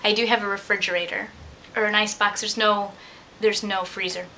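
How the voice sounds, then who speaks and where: A woman's voice: mid-range voice, level tone, moderate pace, very noisy. A young adult woman talking casually and reflectively as an interviewee about her own life, seated indoors. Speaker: liveaboard sailor being interviewed.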